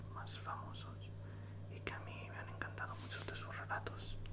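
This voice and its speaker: A soft-spoken man whispers over noticeable background noise. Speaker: ASMR content creator. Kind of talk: casual talk to camera, introduction to the reading. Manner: whispered, soft-spoken.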